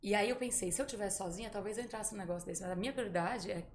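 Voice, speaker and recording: Woman, Brazilian Portuguese accent, podcast guest, rapid lively storytelling, mid pitch. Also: slight background noise. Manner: lively storyteller who acts out quoted voices. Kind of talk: casual storytelling in a podcast interview.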